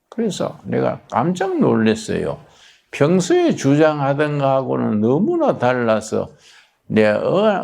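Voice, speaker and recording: An older male pastor with a gravelly voice. He preaches slowly and unhurriedly, telling his story in a plain, folksy way. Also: lowish voice, a little mellow. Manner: folksy, plain-spoken, anecdotal. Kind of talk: storytelling sermon.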